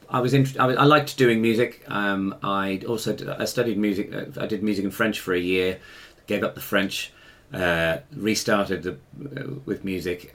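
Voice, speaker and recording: Deep-voiced RP Englishman, halting delivery. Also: fairly bright tone. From Africa and Ireland, later England. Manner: hesitant, halting, self-correcting. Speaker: interview guest, musician and choir director. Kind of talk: conversational personal storytelling.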